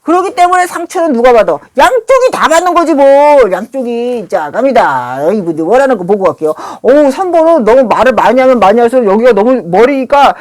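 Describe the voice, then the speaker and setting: Animated middle-aged woman, tarot reader, talks straight to viewers, dramatic asides. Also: a little high, fairly quick, hardly any pauses. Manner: animated, swings between pleading and scolding asides. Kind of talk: live tarot reading monologue.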